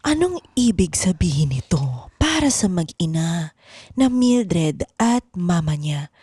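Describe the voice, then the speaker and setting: A woman's voice: on the low side, sing-song, slow, warm tone, husky, no echo. A woman narrating an improvised comedy radio drama in a theatrical, suspenseful storytelling manner.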